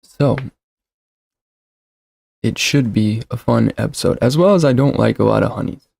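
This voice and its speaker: Talking into a shock-mounted desk mic at home, this livestream host in his thirties rambles in a self-deprecating way, with constant fillers and restarts. His voice is mid-range, creaky and a little mellow, moving at a normal speed.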